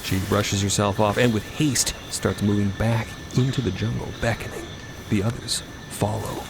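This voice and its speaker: A man's voice: lowish voice, fairly even intonation, normal speed, creaky, heavy background noise. A man giving dramatic scripted narration as the narrator of an audio story.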